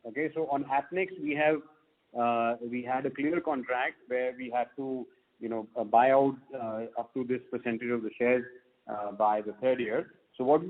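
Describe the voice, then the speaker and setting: Indian man on a tinny phone line. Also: medium pitch. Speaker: company executive on an earnings call. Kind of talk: spontaneous business question-and-answer. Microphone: conference call line.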